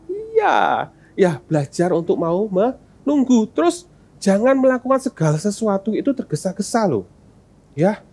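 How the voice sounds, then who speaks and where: A children's ministry teacher giving a sermon, often asking the kids questions. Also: mid-range voice. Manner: animated, asks kids questions.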